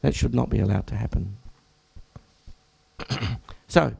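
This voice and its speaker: Hoarse Australian man giving a health talk. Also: on the low side, slow pace, dark tone. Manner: clears throat often, breaks off and restarts phrases. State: hoarse, croaky from much talking. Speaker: general practitioner presenting at an information session. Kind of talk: presentation to health professionals.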